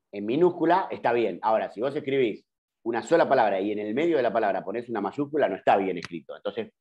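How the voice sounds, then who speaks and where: A man's voice: fairly low pitch, darkish tone. Argentine man teaching over a lo-fi call. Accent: Argentine Spanish. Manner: explains patiently, corrects himself with "perdón", frequent "eh" fillers. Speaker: journalism teacher. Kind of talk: online class explanation. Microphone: computer mic on video call. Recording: dull lo-fi video call audio.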